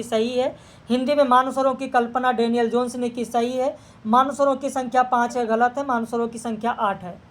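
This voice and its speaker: Speaking in a high, level, even voice, a brisk woman teacher goes over exam questions and their answers. Her answer checking is steady and matter-of-fact.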